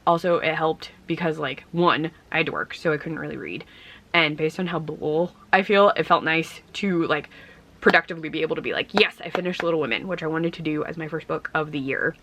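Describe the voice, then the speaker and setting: A woman's voice: sits low, a little fast, a bit bright, dull audio, slight background noise. Tired, congested young woman vlogging. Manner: rambling, conversational, frequent ums. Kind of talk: casual vlog chat.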